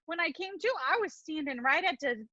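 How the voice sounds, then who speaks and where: A woman's voice: high voice, expressive, brisk, pushed and bright, no room sound, muffled recording. A woman playing a chatty, politely cheerful Midwestern mom with a Minnesotan accent in a comedy sketch reading. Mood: folksy, deadpan.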